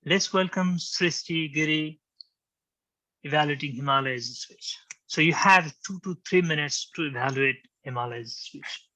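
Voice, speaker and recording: A man's voice: a little high, a little slow, bright, forceful tone, poor audio. A man hosting a speech practice session, speaking in an encouraging, emphatic way and repeating key phrases.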